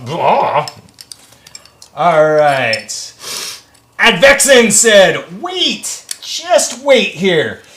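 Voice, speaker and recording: A man's voice: high-pitched, big pitch swings, fairly bright tone, reverberant. A man guesting on a casual livestream, joking and reading out viewer comments. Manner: joking, slow and drawn-out, reads chat aloud. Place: workshop.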